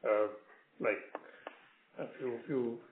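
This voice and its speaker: Male executive, measured and halting, explaining on a boomy, phone-quality conference line. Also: fairly even intonation, echoey room, a little hiss or hum. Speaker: company executive answering analyst questions. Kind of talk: spontaneous earnings call answers. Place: conference call.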